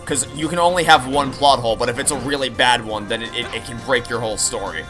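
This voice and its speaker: Streaming a game, a man talks fast in a medium-pitched voice, chatting with viewers and explaining his opinions analytically as he plays. It's live playthrough commentary and chat, with video game music and sounds behind him.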